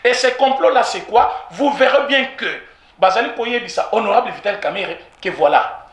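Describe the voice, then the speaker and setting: A Congolese man with a Congolese French accent, giving an animated political opinion that mixes French with Lingala and repeats points for emphasis. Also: high-pitched, normal speed, echoey room. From Congo (DRC). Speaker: political commentator. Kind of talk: heated political street interview.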